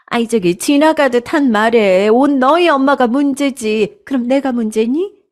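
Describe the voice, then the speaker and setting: A woman's voice: high-pitched, moderate pace, pitched above the performer's own voice, lightly acted. A woman voicing a haughty, scornful middle-aged mother-in-law who talks defensively and sneers in a storybook drama.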